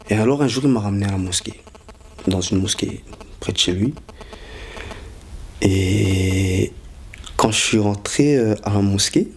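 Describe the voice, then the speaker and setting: A man's voice: fairly low pitch, darkish tone. A man in his twenties from Congo, raised in Brussels, telling his own story hesitantly with many fillers. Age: 20s. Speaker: interviewee. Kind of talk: personal testimony, unscripted.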